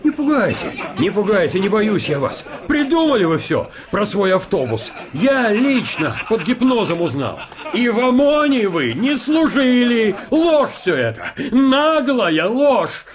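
An actor playing a timid, educated psychiatrist in a radio comedy, who protests in a polite, fussy, stammering and indignant way. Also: male voice, sits high, very animated, a little slow, hardly any pauses, crowd noise. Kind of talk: radio comedy play acting.

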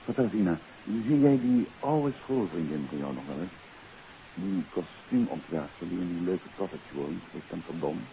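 An actor playing a self-assured detective and devoted husband in a 1950s Dutch radio drama, speaking deliberately and with authority. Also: male voice, low voice, animated, vocal fry. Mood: courteous, businesslike. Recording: hissy, muffled old radio recording.

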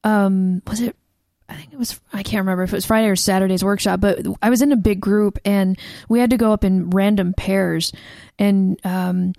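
A young American woman co-hosting a casual chat show, telling a story with lots of fillers and quick laughs. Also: mid-range voice, fairly even intonation, creaky, warm tone, dry recording, clean studio sound. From United States. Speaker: podcast co-host.

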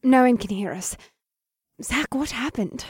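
A man's voice: extremely high pitch, expressive, a little slow, slightly rough, no room sound, clean studio sound, voice pushed up, full character voice. A man voicing a haughty, disdainful magical woman with a cold manner.

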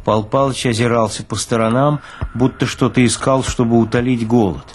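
A male actor narrates literary fiction. His voice sits at a medium pitch, and his reading is expressive, shaped as a performed audiobook. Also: moderate pace, slight background noise.

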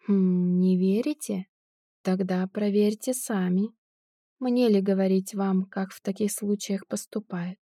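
A woman voicing a drunk, cold-blooded male tramp who robs graves, speaking slowly and sneeringly in an audiobook. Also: medium pitch, steady tone, mellow, no room sound, studio quality, lightly acted.

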